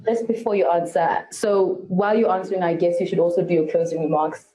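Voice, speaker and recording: Woman moderator, slightly low pitch, dark relaxed tone, brief practical interjections, live panel. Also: brisk, rough recording.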